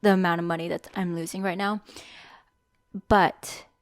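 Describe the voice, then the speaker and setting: A young woman hosts a solo podcast, reflecting candidly and thinking aloud about what she has learned. Her fairly low voice keeps fairly even intonation at a moderate pace. The studio recording is clean with no echo.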